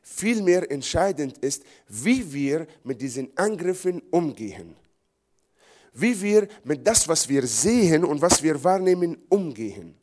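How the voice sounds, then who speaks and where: A man's voice: a little high, very animated, measured pace, darkish tone. Emphatic preacher, man. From Israel. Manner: emphatic preaching with repeated phrases and a non-native grammar. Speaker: pastor. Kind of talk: sermon.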